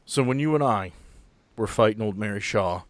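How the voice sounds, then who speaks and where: A man playing an earnest, blunt veteran agent with a folksy, salty, deliberate way of talking in a tabletop game. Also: on the low side, animated, no echo, natural voice. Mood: blunt, confiding.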